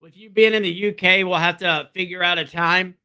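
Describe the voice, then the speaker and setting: A man talks casually to his livestream viewers in a high, bright, tense voice. He is hoarse and keeps clearing his throat. His talk rambles and repeats, recorded on a desk microphone. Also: steady tone, brisk. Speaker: livestream host.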